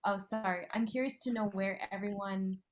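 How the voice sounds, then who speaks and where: A woman's voice: mid-range voice, steady tone, moderate pace, a loud crowd. Woman guest on a video call, chatty, restarts a lot, mid voice. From New York City via the Philippines. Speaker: interview guest. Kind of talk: casual chat.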